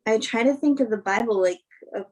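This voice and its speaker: A woman playing a sincere film actress in a staged play reading, speaking in an earnest, measured way. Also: fairly high pitch, darkish tone, lightly acted, poor audio. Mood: earnest, reflective. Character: Emma, sincere film actress woman, thoughtful, open-minded believer. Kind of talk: virtual staged play reading, naturalistic dialogue.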